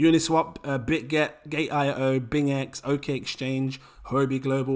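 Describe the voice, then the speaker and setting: A man's animated voice, fairly high in pitch, with a British accent. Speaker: crypto YouTuber. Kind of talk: casual crypto investment talk.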